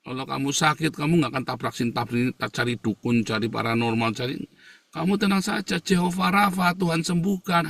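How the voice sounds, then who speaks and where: A man, a pastor, preaching a sermon emphatically, moving between loud scolding and soft, hushed passages. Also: medium pitch, dry recording, recorded from a distance.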